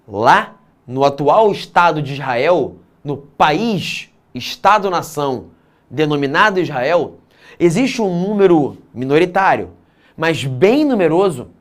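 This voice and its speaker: This is an exam-prep geography lesson from a man whose voice sits high. Clear explanation runs alongside casual asides, and he uses tag questions often.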